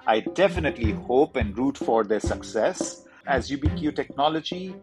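A podcast host with a medium-pitched, expressive voice reads an upbeat introduction at a moderate pace, then asks enthusiastic interview questions. He greets listeners warmly, and music plays in the background.

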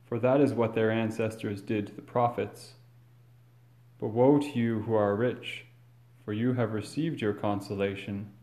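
Priest preaching in cathedral echo. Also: male voice, on the low side, fairly even intonation, warm tone. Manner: measured, earnest preaching with some fillers and restarts. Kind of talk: gospel reading and homily. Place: large church.

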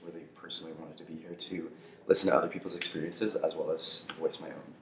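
A man's voice: a bass voice, little pitch movement, quick pace, reverberant, slight background noise. A man in his early twenties, a student, speaking thoughtfully on a panel with some hesitation. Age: 20s. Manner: thoughtful, with fillers and restarts. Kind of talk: casual panel discussion.

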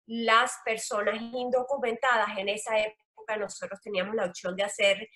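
A middle-aged woman from Colombia with a strong Caribbean coast accent, explaining her work as a loan officer in an interview, earnest and filling pauses with "eh". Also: mid-range voice, level tone, bright, forceful tone. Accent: Colombian Caribbean coast Spanish. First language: Spanish. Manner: earnest, explanatory, with frequent "eh" fillers. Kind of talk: interview answers.

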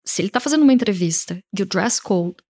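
Woman, Brazilian Portuguese accent, style consultant, animated, mid-pitched voice, acts out her clients' words. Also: fast talker. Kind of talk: interview guest answering.

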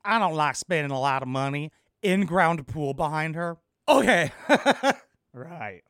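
A man's voice: a little high, normal speed, fairly bright tone, smooth, dry recording, clean studio sound, soft background music. A man hosting a podcast, sarcastically mocking and cursing at a reality TV clip in casual commentary. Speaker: podcast host reacting to a TV clip.

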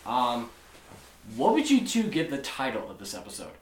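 A man's voice: mid-range voice, huge pitch swings, normal speed, reverberant, slight background noise. An American man hosting a casual podcast chat, asking wrap-up questions in a dry, joking way. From United States. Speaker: podcast host.

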